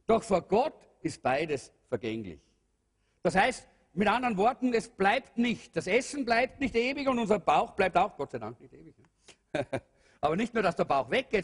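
A pastor with a husky, breathy, high-pitched voice preaches earnestly to his congregation, posing many rhetorical questions. Long reverb from the church hall lingers on each phrase.

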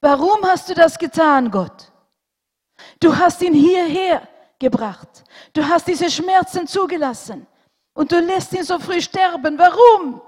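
A woman voicing a grown male surgeon who speaks loudly and forcefully. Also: extremely high pitch, fairly quick, few pauses, pitched above the performer's own voice. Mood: anguished. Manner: loud and forceful. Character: grown male surgeon, brusque then anguished. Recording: long hall reverb.

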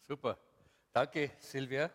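A man's voice: medium pitch, steady tone, slow pace, a bit bright. A man leading a group, speaking reflectively with frequent hesitations. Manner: reflective, with many fillers. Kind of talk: addressing a group. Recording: echoey hall.

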